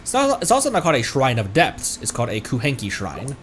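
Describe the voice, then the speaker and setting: A medium-pitched man streams a game with casual live commentary, talking fast with wildly swooping pitch and a fairly bright tone. He thinks aloud in stammering bursts over video game music, with slight background noise.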